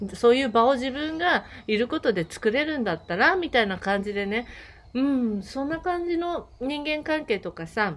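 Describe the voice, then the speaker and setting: Her pitch high and swinging very widely, a woman talks in a relaxed tone at a moderate pace. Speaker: spiritual healer and YouTuber; YouTuber. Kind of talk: casual vlog chat. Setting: outdoors on a small island. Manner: relaxed, loose. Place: open country.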